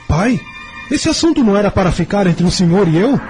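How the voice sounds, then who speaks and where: Casting: evasive young Brazilian son, higher voice, radio drama, light music underneath. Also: male voice, sing-song, fairly quick, darkish tone. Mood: weary, uneasy. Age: young adult. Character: reluctant, evasive young son, dutiful to his parents.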